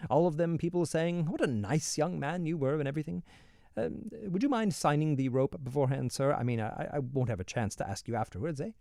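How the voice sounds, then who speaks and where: A man's voice: on the high side, fairly quick, creaky, warm tone, dry recording, clean studio sound. A man voicing a cheerful, businesslike young hangman who chats politely and keeps saying sir, in a voice raised above his own. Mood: eager. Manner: friendly, businesslike, says "sir" often. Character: cheery young male hangman, eager and chatty.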